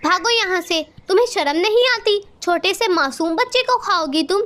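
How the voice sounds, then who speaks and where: Cartoon sparrow, warm-hearted and firm, a woman voicing her, very high voice. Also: lively intonation, moderate pace. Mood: angry. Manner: caring, firm. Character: kind brave female sparrow.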